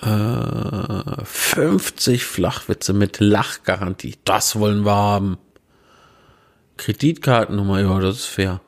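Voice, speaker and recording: A man with a fairly low voice reads out one pun after another in a dry, plain way. He breaks off now and then for self-mocking asides. He is recorded indoors on a handheld recorder set on a small tabletop tripod. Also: slow pace. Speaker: podcaster reading out puns. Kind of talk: casual joke reading.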